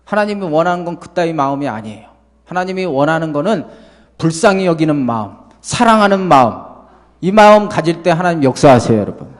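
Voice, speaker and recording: A male pastor preaching a sermon to his congregation, lively and full of rhetorical questions. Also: fairly high pitch, a little fast, long reverb tail. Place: church sanctuary.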